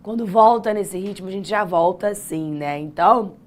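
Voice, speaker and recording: A Brazilian woman with a naturally husky, hoarse voice, teaching a live online exam-prep class in an informal, encouraging, chatty way. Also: mid-range voice, normal speed. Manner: chatty, encouraging, addresses students directly. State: hoarse, voice worn out. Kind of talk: live online lesson, informal pep talk.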